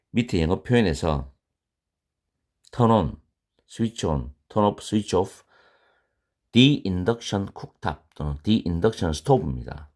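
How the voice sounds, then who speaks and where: A man with a very low, gravelly voice teaches an online English grammar lesson. His tone is dark and a little husky, and he speaks English words with a Korean accent. He patiently repeats key words slowly so they can be practiced.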